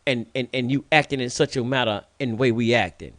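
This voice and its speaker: A man's voice: mid-range voice, fairly quick, a bit bright, no room sound. A man from the United States with an African American Vernacular English accent, hosting a radio show and delivering an impassioned, scolding monologue. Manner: preachy, scolding, repetitive emphasis.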